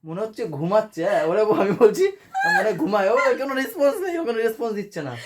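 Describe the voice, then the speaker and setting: A woman's voice: mid-range voice, big pitch swings, racing. A woman vlogger telling a funny story at home, casually and with lots of laughter. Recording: noisy home recording.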